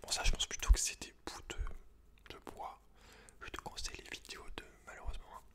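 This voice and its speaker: An ASMR video host speaks in a breathy, voiceless whisper, fast and with a sharp tone. He alternates between reading aloud and casual, slangy remarks aimed directly at the listener.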